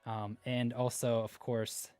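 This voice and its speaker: A man's voice: medium pitch, little pitch movement, takes it slowly, a little mellow, clean tone, no room sound, soft background music. Laid-back Norwegian-accented male streamer. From Norway. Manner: laid-back, rambling, many fillers. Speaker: livestream host. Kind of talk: casual live-stream chat reading viewer comments.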